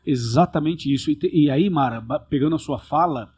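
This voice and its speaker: A man's voice: fairly high pitch, a little fast, a little mellow, breathy edge. A man, a pastor hosting a podcast, explaining Bible teaching in an earnest, emphatic way full of rhetorical questions.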